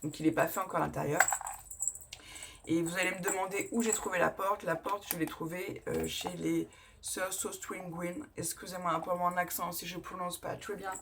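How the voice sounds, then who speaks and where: Over a noisy background, a woman with a lowish, gravelly voice talks briskly with fairly even intonation. She's a scrapbooking vlogger doing a casual haul video, rambling and chatty as she eagerly shows crafting purchases to the camera, often laughing and correcting herself.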